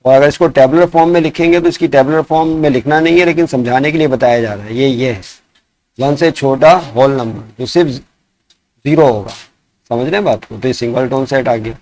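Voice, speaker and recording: A man teaching a math lesson. He asks his students questions and answers them himself, and he slows down to dictate each problem word by word. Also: medium pitch, a little mellow. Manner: mixes in English math terms. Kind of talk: classroom lesson explaining sets.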